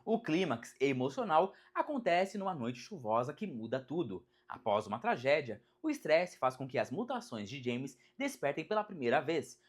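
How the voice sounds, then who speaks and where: Husky, lively Brazilian narrator. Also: medium pitch. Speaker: narrator of a video about animated superhero films. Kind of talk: scripted video essay narration.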